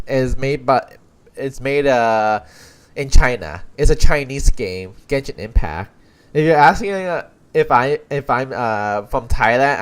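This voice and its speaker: Halting Canadian man streaming a game. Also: medium pitch, a little hiss or hum. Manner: halting, full of restarts, chuckling. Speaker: livestreamer. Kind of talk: casual commentary while gaming.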